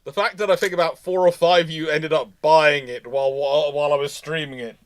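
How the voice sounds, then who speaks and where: Higher-voiced man, rambling livestream host. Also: steady tone, background noise. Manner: halting, rambling, repeats words. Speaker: host of a live history question show; history lecturer. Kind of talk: casual livestream chat.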